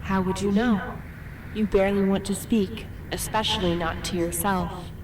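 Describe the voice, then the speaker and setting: A woman's voice: mid-range voice, fairly even intonation, moderate pace, noisy background, natural voice. An actress as an uncanny, needling female doppelganger. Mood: cool, needling. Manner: echoes words, taunting, cool. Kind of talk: audio drama acting.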